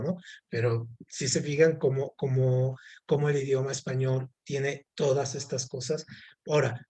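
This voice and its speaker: A man's voice: a little high, darkish tone. A man teaching a class, asking students questions and explaining patiently with many fillers. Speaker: Spanish teacher. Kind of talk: online class lesson.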